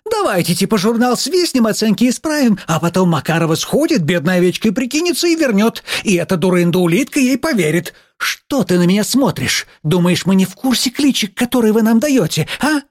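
A man reading an audiobook, voicing a middle-aged woman schoolteacher who is excitable and quick to anger, in a raised, shrill, scolding voice. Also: breathy edge, no echo, studio quality. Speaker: teacher.

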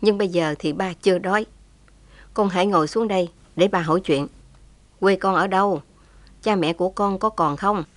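A woman voicing an elderly imprisoned father who speaks in a gentle, steady, fatherly way. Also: mid-range voice, normal speed, pauses often, dry recording, natural voice.

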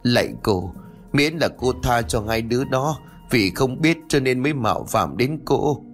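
A man's voice: medium pitch, lively intonation, a little slow, soft background music, voice pushed up. A man doing a frightened old mother begging. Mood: pleading. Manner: begging, tearful.

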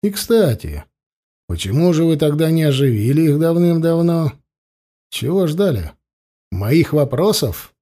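A man voicing a tense male necromancer who clips his words and forces a cold calm. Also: fairly high pitch, a little slow. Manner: clipped and cold, forcing calm.

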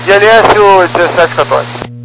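A man's voice: sits high, animated, unhurried, gravelly. A man speaking as an airline pilot over the aircraft radio, giving terse, clipped readbacks in aviation phraseology. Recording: noisy, distant air-band radio.

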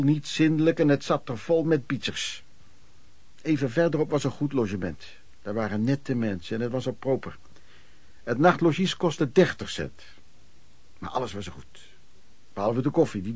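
An actor plays a hardworking traveling peddler looking back on his life, narrating a radio drama in a colloquial, reflective way. His husky voice sits on the high side with a darkish tone, and there's no room sound.

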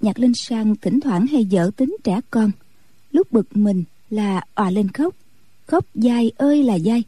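Lady reading a storybook, dusky mellow voice, kinda husky, steady. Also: on the high side, slow, no room sound, poor audio. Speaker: audiobook narrator. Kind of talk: storybook narration.

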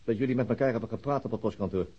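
An actor playing a persistent, terse chief inspector interrogating a suspect in a radio drama. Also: male voice, on the low side, racing, breathy edge. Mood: matter-of-fact. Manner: probing, terse, insistent. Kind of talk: naturalistic Dutch radio drama acting. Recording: muffled, dull radio drama recording.

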